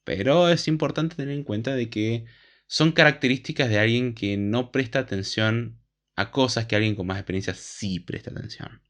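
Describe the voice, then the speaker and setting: A man's voice: medium pitch, a bit bright. A man with an Argentine accent, a programming educator talking through ideas in a frank, conversational monologue, using everyday comparisons. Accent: Argentine Spanish. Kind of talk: casual explanatory monologue.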